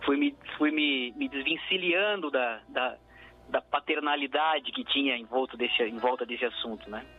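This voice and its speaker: A man's voice: mid-range voice, moderate pace, phone-quality sound. A man from southern Brazil with a southern Brazilian accent, a musician answering radio interview questions in a reflective way, full of fillers and restarts. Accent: southern Brazilian Portuguese. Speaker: musician guest.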